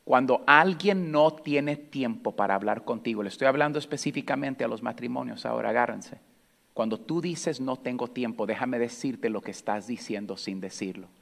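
A man's voice: mid-range voice, moderate pace, vocal fry. Man preaching a sermon, storytelling, sometimes drops almost to a whisper, big echoey church hall. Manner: storytelling, drops to a soft near-whisper for quiet moments. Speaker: pastor. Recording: long hall reverb.

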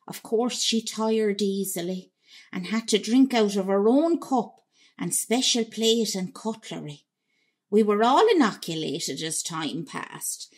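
An actress playing a wistful Irish emigrant woman, telling her memories in a reflective radio drama monologue with an Irish accent. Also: mid-range voice. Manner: reflective, unhurried storytelling. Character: wistful Irish emigrant woman recalling leaving home at seventeen.

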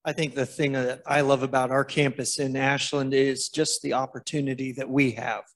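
A man's voice: mid-range voice, little pitch movement, moderate pace. A man, a care home administrator, answering a panel question with fillers.

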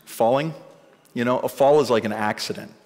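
A man's voice: mid-range voice, normal speed, darkish tone. Male pastor, 40s, conversational sermon with wry asides, long church reverb. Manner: conversational, jokey asides to the congregation. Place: church stage before a congregation.

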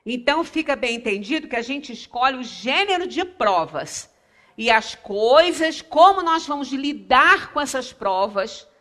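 A woman's voice: a little high, bright, forceful tone. A middle-aged woman from Brazil giving a spiritist lecture in a small meeting room, gesturing broadly and speaking conversationally. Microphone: far camera, standing speaker.

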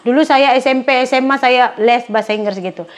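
A woman's voice: on the high side, brisk. A middle-aged woman from Indonesia in her speech, chatting casually to viewers while she cooks in a home kitchen. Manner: chatty, addresses viewers as pemirsa. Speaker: cooking vlogger. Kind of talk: casual chat while cooking.

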